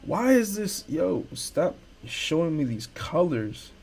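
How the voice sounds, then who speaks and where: A man's voice: fairly high pitch, very animated, slow pace, vocal fry, a little mellow. A young man hosting a casual commentary stream, talking in slang with stammered restarts and hyped asides. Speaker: host.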